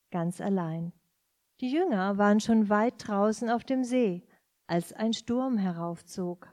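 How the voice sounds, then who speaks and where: A woman's voice: medium pitch, darkish tone. A woman reading scripture and interpreting a sermon phrase by phrase, following the preacher closely.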